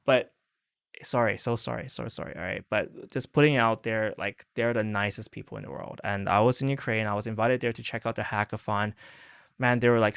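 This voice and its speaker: A man's voice: on the low side, creaky, a bit bright, smooth, no echo. A man hosting a crypto news show, talking casually and rambling with lots of fillers and "right?" tags. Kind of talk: casual unscripted commentary.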